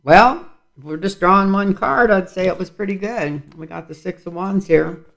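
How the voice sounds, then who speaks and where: Gravelly man musing over tarot cards. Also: high-pitched, moderate pace, a bit bright. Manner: rambling, musing aloud. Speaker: tarot reader. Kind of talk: casual tarot reading vlog.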